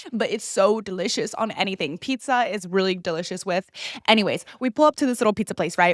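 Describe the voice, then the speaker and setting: In a Californian accent, a woman talks at a very fast pace with a medium pitch, ordinary pitch variation and an animated tone, in a dry, close sound with no echo. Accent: Californian American English. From US West Coast, Los Angeles. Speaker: podcast host. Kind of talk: casual chat.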